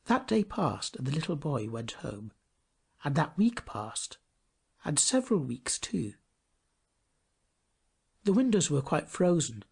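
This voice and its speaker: A man reading a storybook tale aloud in an expressive, dramatic storytelling manner. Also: on the high side, slow pace, gravelly, long pauses, breathy edge. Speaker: storybook reader. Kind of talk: scripted storybook narration.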